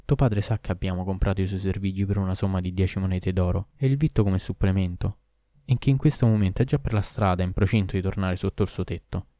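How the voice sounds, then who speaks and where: A man's voice: low voice, fairly even intonation, fast talker, mellow, dry recording, clean studio sound, close to an everyday voice. A man reading aloud who gives the lines of a young man, explaining earnestly. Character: young man, surprised then reassuring.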